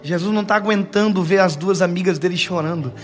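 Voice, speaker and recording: A young man from preaching a sermon, telling lively family stories with playful asides and slow, dramatic pauses. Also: high-pitched, soft background music. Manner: animated, storytelling with playful asides and dramatic slowdowns. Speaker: pastor.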